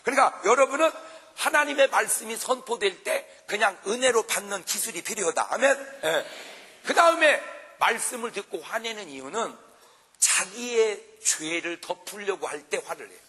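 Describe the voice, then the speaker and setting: A man's voice: high-pitched, normal speed. A male pastor preaching a revival sermon to a congregation, joking with them and acting out little scenes as he goes. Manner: animated, jokes and acts out quarrels for the congregation. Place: large church revival meeting. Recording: live hall reverb.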